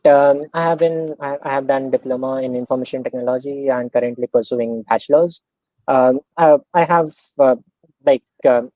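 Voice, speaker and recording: A young Indian man, a guest speaker on a video call, talks casually in a mid-range voice. He's relaxed, says "um" a lot, and explains with everyday examples. The audio is dull lo-fi call sound with no room sound.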